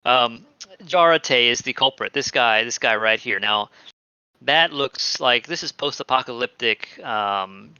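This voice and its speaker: Bright-voiced chatty male show host. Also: mid-range voice, a little slow, smooth, no echo, highs cut off. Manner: chatty, animated, laughs easily. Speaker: podcast host. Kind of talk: casual crypto show chat.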